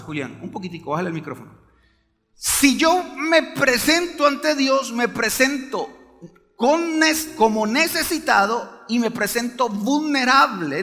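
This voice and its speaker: A pastor preaching with a very high, bright voice that has a gravelly edge. His delivery is emphatic, and he keeps pressing the room for an amen. It sounds like a long-reverb church hall with faint music underneath. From Colombia. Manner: emphatic preaching, calls for amens. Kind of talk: sermon. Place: church sanctuary.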